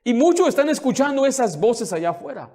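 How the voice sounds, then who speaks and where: A man with a notably high-pitched voice delivers a sermon as pastor. He preaches with fervor and indignation, pressing the congregation with one rhetorical question after another. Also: sing-song, a little fast, dark tone. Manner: indignant, scolding.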